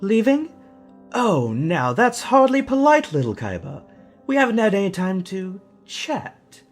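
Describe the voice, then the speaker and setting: Wildly lilting, mock-polite villain. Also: male voice, high voice, huge pitch swings, unhurried, faint music behind, exaggerated voice. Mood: mock-polite menace. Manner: theatrical, mock-courteous, patronizing, lilting. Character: suavely menacing male villain, mock-polite captor. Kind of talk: audio drama acting.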